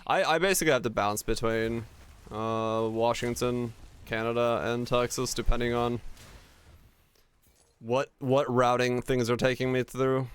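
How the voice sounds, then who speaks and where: A man's voice: medium pitch, smooth. A young man from Finland with a neutral North American accent, chatting casually and ramblingly with his stream viewers and swearing now and then. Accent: neutral North American English. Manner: laid-back, rambling, swears casually, restarts often. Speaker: game streamer.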